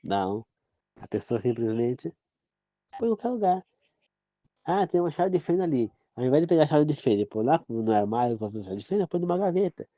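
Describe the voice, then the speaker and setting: A Brazilian preacher gives an informal, rambling sermon-style talk, often checking "entendeu?" with his listeners. His mid-range voice is sing-song, fairly quick and mellow, with no echo. The recording sounds dull, dry and lo-fi.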